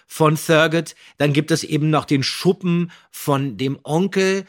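A man's voice: on the high side, a little slow. A man co-hosting a podcast, retelling and discussing a story in a casual way. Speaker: podcast co-host.

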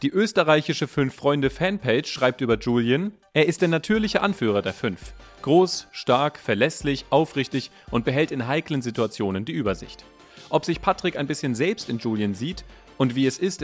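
A man reading a scripted podcast introduction in a measured presenter's manner. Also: medium pitch. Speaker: narrator of an introduction segment. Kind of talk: scripted narration. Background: soft music.

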